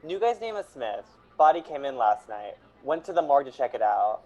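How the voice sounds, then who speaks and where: A man's voice: medium pitch, very animated, brisk, mellow. A man playing a chummy, literal-minded police deputy in a comic radio drama, with a folksy, bantering manner. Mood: casual, friendly. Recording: dull, faintly noisy sound.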